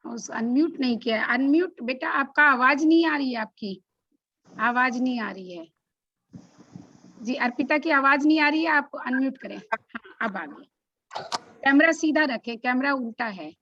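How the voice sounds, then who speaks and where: A woman's voice: high voice, normal speed, a bit bright, lo-fi sound. A woman on a video call, telling a child and her parents to unmute and turn the camera. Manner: instructive, guiding a child through technical setup. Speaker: co-organizer on the call.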